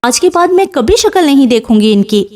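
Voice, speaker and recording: A woman's voice: sits high, sing-song, darkish tone, far from the mic. A woman voicing a timid, frightened young bride. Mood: tearful, bitter. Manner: pleading, fearful.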